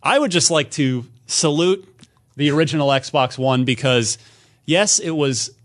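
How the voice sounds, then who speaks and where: A man's voice: fairly high pitch, a little slow, a bit bright. A man hosting a podcast, talking in a casual, conversational style about games. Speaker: podcast host. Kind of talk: casual gaming podcast discussion.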